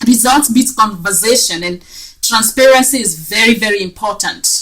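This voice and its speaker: A woman speaks with a Kenyan accent at a moderate pace. Her voice is fairly high and somewhat breathy. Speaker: network marketing trainer. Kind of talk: webinar training. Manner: hesitant fillers (uh).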